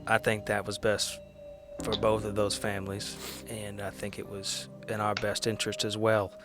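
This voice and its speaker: A man with a fairly low voice plays a tabletop role-playing game. He talks casually, drifting between table talk and in-character speech, over faint music. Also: monotone, moderate pace. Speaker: player in a role-playing podcast. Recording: background music behind the voice.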